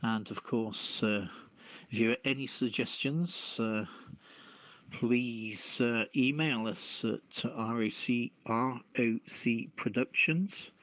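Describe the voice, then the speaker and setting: Slow-talking man hosting radio, echoey sound. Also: mid-range voice, fairly bright tone. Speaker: radio show host. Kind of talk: casual live radio show hosting. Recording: dull, echoey online radio channel audio.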